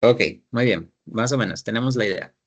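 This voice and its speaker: A man's voice: medium pitch, normal speed. Guy teaching english, patient, keeps repeating what students say and asking questions. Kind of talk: classroom teaching, explaining in Spanish.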